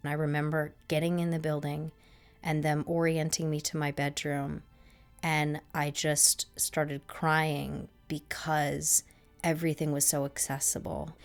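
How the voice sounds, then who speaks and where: Low-voiced woman telling a lively story. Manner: animated, acts out voices, laughs often. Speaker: podcast guest. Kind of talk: casual storytelling.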